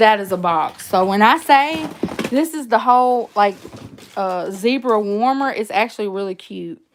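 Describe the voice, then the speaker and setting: Over noticeable background noise, a woman speaks at a moderate pace with lively intonation and an animated tone. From Mississippi. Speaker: social media creator doing giveaways. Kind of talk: casual livestream chat. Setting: live stream, reading viewer comments. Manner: animated, chatty.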